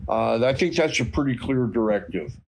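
A man's voice: medium pitch, expressive, moderate pace, gravelly, low-quality recording. A man sharing a faith testimony, hesitating with many fillers but stating his convictions firmly. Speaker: church member giving a testimony.

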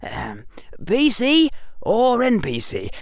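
A man putting on a high cocky boy wizard, lively sing-song, dry close sound. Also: vocal fry, no echo, heavily acted. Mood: smug. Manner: brisk, self-assured, teasing. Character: cocky clever boy wizard, first-year.

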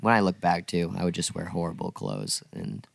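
A man in his late twenties from Minnesota, a band member recounting things in a relaxed, unhurried way. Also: sits low, vocal fry, dry recording. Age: 20s. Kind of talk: casual interview.

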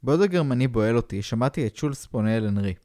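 A man reads a pulp novel aloud in a flat, deadpan way as a podcast co-host. His pitch sits mid-range. The sound is dry and close. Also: no echo. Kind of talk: dramatic reading of a pulp novel.

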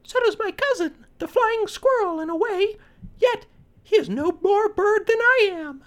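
A man voicing a scornful little chipmunk in a storybook, scoffing in an extremely high voice. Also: expressive, a little slow.

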